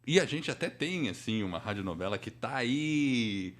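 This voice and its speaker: Brazilian man, podcast host with lively intonation. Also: medium pitch, moderate pace. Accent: Brazilian Portuguese. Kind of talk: casual live interview.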